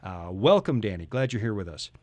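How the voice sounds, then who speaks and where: A man's voice: fairly low pitch, sing-song, brisk, no echo. A man from Canada hosting a radio interview with jovial, teasing banter. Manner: teasing, joking. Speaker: radio host.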